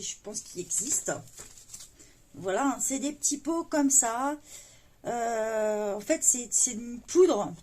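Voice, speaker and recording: A woman's voice: a little high, a little mellow, a little hiss or hum. A woman chatting casually as she unboxes a parcel of coloring books, full of fillers and delighted little exclamations. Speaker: coloring book haul vlogger.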